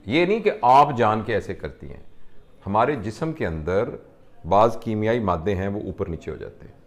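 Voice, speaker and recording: A man, a doctor, calmly counseling a patient and explaining with simple everyday examples. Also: on the low side.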